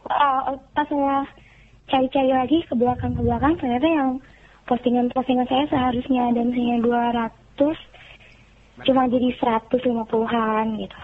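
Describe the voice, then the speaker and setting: A woman's voice: on the high side, little pitch movement, moderate pace. A young woman calling in to a radio show by mobile phone, chatting in a casual, rambling way. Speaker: phone-in caller. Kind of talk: casual chat. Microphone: mobile phone call. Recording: tinny phone line, faint noise.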